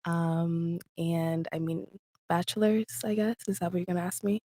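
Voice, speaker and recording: A woman in her twenties, born in Atlanta and raised in Miami, introducing herself on a podcast panel in a soft, slightly hesitant way. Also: on the low side, steady tone, moderate pace, dry recording. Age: 20s. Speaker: panel guest.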